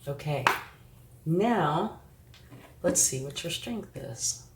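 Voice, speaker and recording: A woman reads tarot cards for her viewers in a slow, unhurried way, with a gravelly edge to her voice. She sounds a little sniffly and keeps checking in with reassuring little asides. The room around her is echoey, with faint noise and cards shuffling in the background. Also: deep voice, lively intonation. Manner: reassuring, addresses the viewer directly, frequent "okay" and "right". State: sniffly from a recent flu. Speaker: tarot reader.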